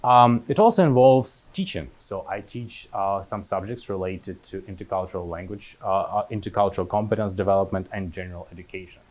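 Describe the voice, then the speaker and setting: A man in his thirties with a somewhat low voice gives an academic talk as a postdoctoral researcher. He speaks haltingly, with frequent fillers and restarts. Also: darkish tone. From Kazakhstan. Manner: hesitant, many fillers and restarts.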